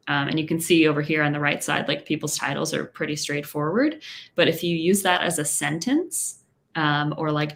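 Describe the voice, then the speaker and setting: A woman co-hosting a casual livestream from her home office, wry and joking with quick asides. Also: sits low. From Texas. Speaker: co-host.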